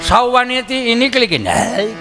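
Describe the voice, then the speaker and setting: A man's voice: very high-pitched, very animated, moderate pace, in a large hall, music in the background. A man performing folk comedy on stage, telling village stories and acting out the people in them. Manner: acts out villagers' voices in his tales.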